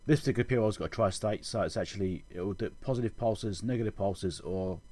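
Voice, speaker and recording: Guy with a lowish, pretty husky voice talking thru tech stuff, kinda halting, thinking out loud. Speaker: electronics repair channel host. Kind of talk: informal technical explanation of a diagram.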